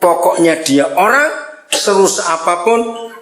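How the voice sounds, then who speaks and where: An older man preaching a sermon to a congregation in a lively, joking way, often checking in with his listeners. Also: high voice, a little slow, reverberant. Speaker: pastor. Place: church before a congregation.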